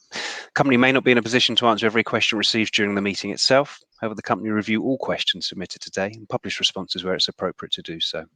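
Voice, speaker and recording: A man's voice: fairly low pitch, bright, forceful tone, no echo. A man reading formal opening announcements as moderator of an online investor meeting. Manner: brisk, formal, reads from script. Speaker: event moderator. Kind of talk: scripted announcement.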